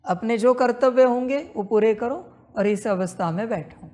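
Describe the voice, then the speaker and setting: A woman leading a guided meditation, repeating her instructions in a slow, insistent spiritual talk. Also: on the high side, mellow.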